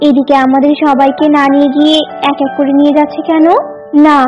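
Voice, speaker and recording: Woman voicing a high, shrewd cartoon goose. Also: flat delivery, fairly quick, darkish tone, highs cut off, soft background music, lightly acted. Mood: suspicious. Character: shrewd, suspicious goose plotting against tiger. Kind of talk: cartoon storytelling.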